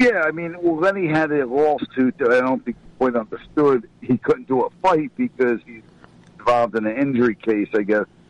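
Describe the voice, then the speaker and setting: Speaking in a normal speaking voice, a man talks at a moderate pace with fairly high pitch and lively intonation, the sound dry and close with no echo. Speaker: boxing event promoter. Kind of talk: casual chat. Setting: phone call.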